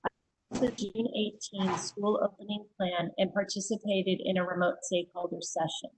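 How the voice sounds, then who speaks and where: A woman reading written public comments aloud at a school board meeting, steady and plain, with a few hesitant asides. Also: medium pitch, normal speed, slightly rough, poor audio.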